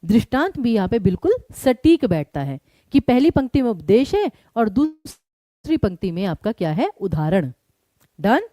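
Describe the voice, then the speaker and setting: A woman teaching an online exam-prep lesson, quizzing her students and explaining each answer briskly. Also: medium pitch, big pitch swings, mellow, dry recording, clean studio sound.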